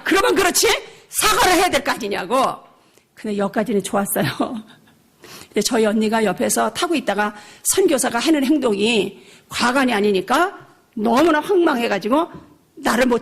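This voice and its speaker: An older woman missionary preaching a revival sermon, telling a personal story with lively acted-out dialogue and frequent laughter. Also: a little high, gravelly, breathy edge. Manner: animated storytelling, acting out her own shouting; laughs often while preaching.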